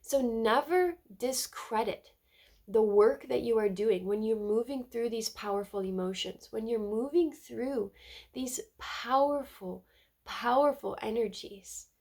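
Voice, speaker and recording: A woman's voice: a little high, measured pace, a little mellow. A woman with a stuffy cold giving an earnest, casual spiritual card reading, often repeating words and adding "right?". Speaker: spiritual tarot reader.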